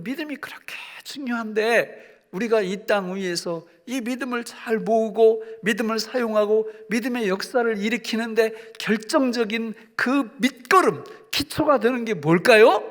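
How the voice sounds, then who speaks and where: A middle-aged man preaches a sermon in a high, bright-pitched voice. He drops to hushed, pleading tones, then builds to loud, excited proclamation, and he acts out prayers and questions as little quoted scenes. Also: moderate pace. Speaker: pastor.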